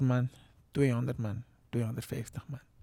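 A somewhat breathy man, recorded with a dry, close sound and no echo. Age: 40s. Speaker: police union chairman. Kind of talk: casual chat. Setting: studio.

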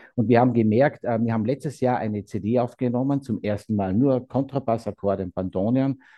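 A man's medium-pitched voice shows ordinary pitch variation and moves at a moderate speed. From Austria, Carinthia. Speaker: jazz accordionist. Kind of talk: interview. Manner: halting, many fillers.

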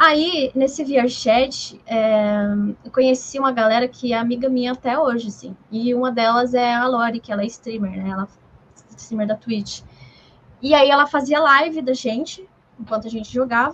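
With a high pitch and ordinary pitch variation, a woman is speaking. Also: moderate pace. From Brazil, Minas Gerais and Cuiabá. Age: 30s. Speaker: Twitch streamer. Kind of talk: casual chat.

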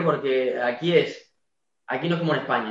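Using fairly even intonation, a man with an unremarkable speaking voice talks at a moderate pace. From Spain, Granada (Andalusia). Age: 20s. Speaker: professional footballer. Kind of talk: interview.

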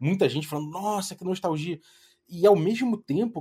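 Talking at a fairly quick pace, a man uses a high pitch and a dark, mellow tone with lively intonation. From Rio de Janeiro, Brazil. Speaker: RPG podcaster and author. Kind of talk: casual chat.

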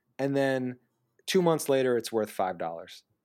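Heard on a very clean recording with a silent background, a man with an American accent speaks at a medium pitch. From Long Island, New York. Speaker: game console modder and author. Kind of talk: casual chat.

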